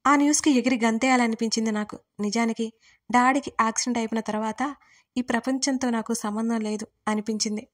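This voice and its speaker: A young woman reads a romance story aloud as its heroine, in the first person. Her voice sits a little high for a woman. She keeps the telling intimate and full of feeling. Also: steady tone, brisk. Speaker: audio story narrator.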